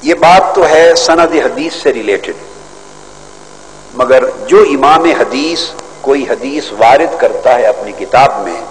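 An older man, a religious scholar, giving a formal hadith lesson from a podium, measured and scholarly with emphatic rises. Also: mid-range voice, expressive. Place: large outdoor stadium stage. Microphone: podium microphones. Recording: hall echo, faint background noise.

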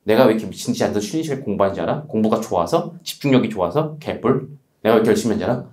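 A man voicing a frank, driven top student as a teenage girl, quoting her in a low, confiding tone. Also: animated, rapid-fire, a little mellow, natural voice.

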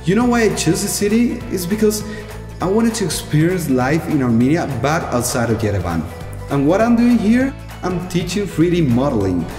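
Lively young man from Chile, roomy hall. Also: a little high, moderate pace, soft background music. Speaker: volunteer teacher. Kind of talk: casual talk to camera. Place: large bright indoor hall.

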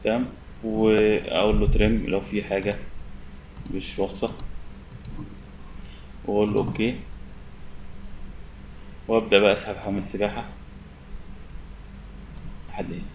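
A young man with an Egyptian Arabic accent giving a relaxed, step-by-step software tutorial at his desk. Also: lowish voice, normal speed, pauses often, slight background noise, rough recording. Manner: relaxed, step-by-step explaining with many fillers. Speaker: software instructor. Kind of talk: screen-recorded software tutorial.

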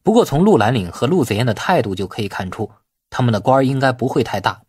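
A man's voice: medium pitch, lively intonation, fast, a little mellow, husky, no room sound, clean studio sound. A man narrating a novel as a scripted audiobook.

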